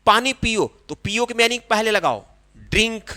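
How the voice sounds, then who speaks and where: A man with a Hindi-influenced English accent, teaching spoken English in a slow classroom style and repeating phrases as he drills them. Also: high-pitched, animated, bright, forceful tone. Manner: repeats phrases slowly, drawing out English words.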